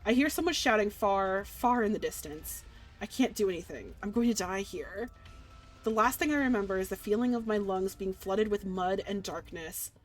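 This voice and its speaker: A young woman reading a dark visual novel aloud in dramatic first person, breaking off for giggly asides. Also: mid-range voice, moderate pace, soft background music. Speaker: streamer playing a game.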